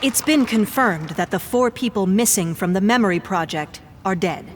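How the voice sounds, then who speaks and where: A woman's voice: mid-range voice, animated, normal speed, natural voice. An actress playing a pushy, probing female news reporter in an audio drama, firing insistent leading questions. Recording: noisy crowd ambience behind.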